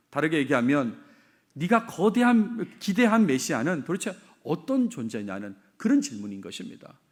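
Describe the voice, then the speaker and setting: Lively middle-aged Korean pastor preaching. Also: male voice, a little high. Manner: expressive, repeats key phrases, asks the congregation questions. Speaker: senior pastor. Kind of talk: sermon.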